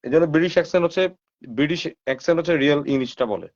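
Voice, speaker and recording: A man hosting a live stream with a slightly high voice. He comments casually, fires rhetorical questions at his viewers and drops English phrases into his talk. The sound is dull and lo-fi, like a live stream. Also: racing. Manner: talks straight to viewers, asks them rhetorical questions.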